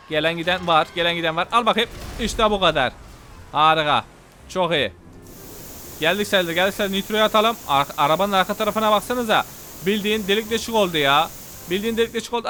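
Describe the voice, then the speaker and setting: A young man hosting a gaming channel, narrating his gameplay in an excitable, slangy way, shouting and repeating himself. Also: high-pitched, a little hiss or hum. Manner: casual slangy banter with teammates. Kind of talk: gameplay commentary.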